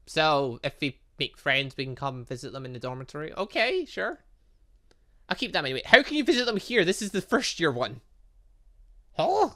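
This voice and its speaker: This man runs a gaming channel and is doing let's play commentary on a visual novel, reading lines aloud and chatting and reacting between them. His voice is on the high side and a bit bright, with big pitch swings at a normal speed.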